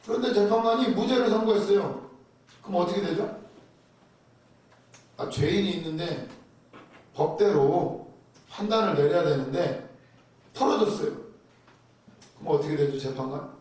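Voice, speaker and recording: A man with a high voice preaches a lively sermon and keeps asking his listeners rhetorical questions. The recording is heavily echoey, and he sounds some distance from the microphone, as if he were picked up across a large church hall. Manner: animated, asks the congregation rhetorical questions. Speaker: pastor. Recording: very echoey hall, mic far off.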